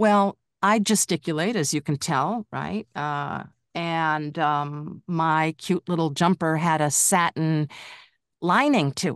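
A woman with a normal speaking voice, a fairly low pitch and ordinary pitch variation, in a dry, close sound with no echo against a quiet background. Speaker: medical narration voice actor and teacher. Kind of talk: casual chat. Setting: video podcast, drinking together.

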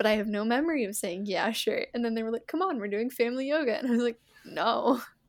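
Over noticeable background noise, a woman speaks very fast at a high pitch with ordinary pitch variation. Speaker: podcast co-host. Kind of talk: casual chat.

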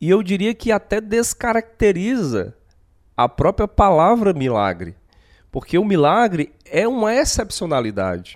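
The speech moves at a fairly slow pace with lively intonation, in a very clean recording with a silent background. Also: man, high pitch for a man. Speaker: podcast co-host. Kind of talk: reflective discussion.

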